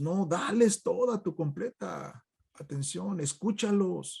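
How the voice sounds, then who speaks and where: A man's dark, mellow voice at a high pitch, with lively intonation over a quiet background. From Mexico, Jalisco (near Guadalajara), then US from age 7. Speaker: pastor. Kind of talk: sermon. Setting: church online broadcast. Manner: conversational.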